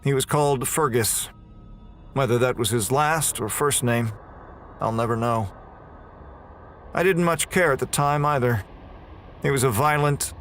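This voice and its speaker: A man playing a frightened prison inmate, giving a grim, deliberate first-person horror narration. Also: medium pitch, fairly bright tone, a little hiss or hum, lightly acted. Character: terrified, bewildered male prison inmate recounting horror. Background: music.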